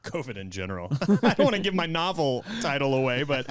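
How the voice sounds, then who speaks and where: A man's voice: mid-range voice, sing-song, fast, a loud crowd. A man co-hosting a comedy podcast, telling rambling self-mocking stories and laughing often. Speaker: podcast co-host. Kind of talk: casual comedic chat.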